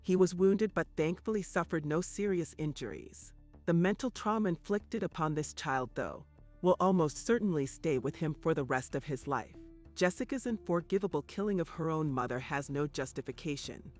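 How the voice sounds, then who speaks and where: A man reading scripted true crime documentary narration in a grave, measured way. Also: a little high, faint music behind.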